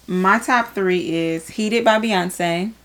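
A woman's voice: mid-range voice, takes it slowly. A young adult woman co-hosting a podcast, chatting casually and loosely with slang. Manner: relaxed, conversational, uses slang. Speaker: podcast co-host. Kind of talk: casual chat.

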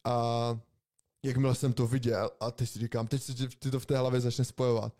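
Young podcast guy, mellow dark voice, slangy and amazed, just chatting. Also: medium pitch, flat delivery. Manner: slangy, amazed, musing aloud. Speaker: podcast co-host. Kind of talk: casual chat.

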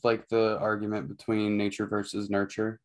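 A woman co-hosting a podcast, talking casually, slowly searching for her words. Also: extremely low pitch, monotone. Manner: slow, hesitant, searching for words. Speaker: podcast co-host. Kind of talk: casual chat. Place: room, sitting far from the mic.

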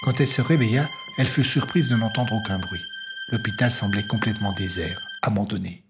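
A man narrating an audio story in a measured, steady way, with music underneath. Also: lowish voice.

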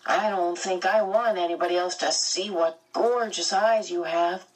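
A woman doing a gentle teenage boy. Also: on the low side, steady tone, moderate pace, husky, recorded from a distance, low-quality recording. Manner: gentle, reassuring.

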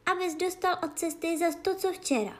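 A woman voicing a proud, moody young princess in a storybook reading, speaking high and teasing. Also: steady tone, fairly bright tone. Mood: sulky.

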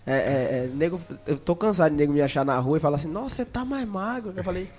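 Fast and lively, with a fairly high, slightly mellow voice and faint music behind him, this young man from Bahia chats in a Bahian Brazilian Portuguese accent. As a songwriter being interviewed, he jokes casually and often stammers on repeated words.

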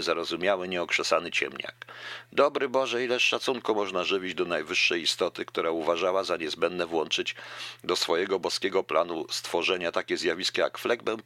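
A man's voice: low-pitched, pushed and bright, no echo, exaggerated voice. A man voicing a bitter, sarcastic young airman who mocks and rants, read from a book. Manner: mocking, ranting.

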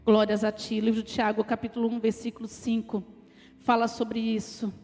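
A Brazilian woman preaching a Pentecostal sermon, impassioned, shouting at times and breaking into speaking in tongues. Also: on the high side, completely flat delivery, moderate pace, in a large hall. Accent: Brazilian Portuguese. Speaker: deaconess preacher. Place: church hall.

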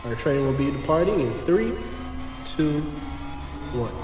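A man playing an onboard train announcer, making formal, slow announcements. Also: on the high side, lively intonation, music in the background. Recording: echoey, distant hall sound.

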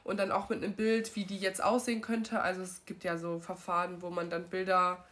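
A woman's voice: on the low side, little pitch movement, brisk, fairly bright tone. Woman podcast co-host, stuffy with a cold, rambling casual chat, amateur mic. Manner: rambling, trails off mid-sentence. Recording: amateur home mic setup.

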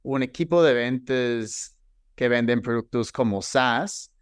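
Lively male podcast host, dry close mic. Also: medium pitch, slow, clear, resonant tone, no echo. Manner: energetic, asks long questions with fillers. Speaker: podcast host, sales expert. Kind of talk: upbeat podcast interview.

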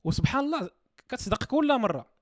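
A man's voice: very high-pitched, big pitch swings, fast talker, no echo, studio quality. A man with a Moroccan Arabic accent chatting casually as a podcast co-host, telling jokey anecdotes and mixing in French words.

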